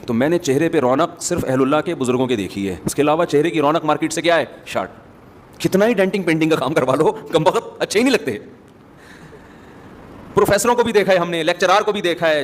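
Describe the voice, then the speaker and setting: Male preacher, fairly high voice, casual sermon with asides, long hall echo. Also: a little hiss or hum. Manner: conversational, joking asides to the audience. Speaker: Islamic preacher. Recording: long hall reverb, faint ambience.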